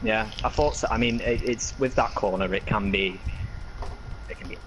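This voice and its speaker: A man's voice: on the low side, moderate pace, noisy background. A man giving a casual post-race interview as an online racing driver. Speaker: racing driver being interviewed, league commentator.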